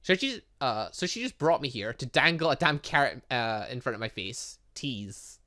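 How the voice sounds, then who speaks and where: In a let's play of a visual novel, the gaming channel host reads dialogue aloud, then chats and reacts in between. His medium-pitched voice is bright and forceful, with big pitch swings at a normal pace.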